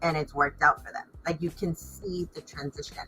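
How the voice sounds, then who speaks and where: Casting: woman, low pitch with a bright edge, informal and emphatic interview guest. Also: little pitch movement, moderate pace, soft background music, low-quality recording. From Los Angeles area, United States. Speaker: fashion designer and stylist, interview guest. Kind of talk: casual interview chat.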